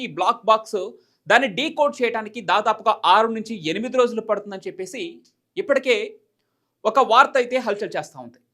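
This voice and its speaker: A man's voice: very high-pitched, sharp tone. A man presenting news commentary, explaining in an emphatic, repetitive way.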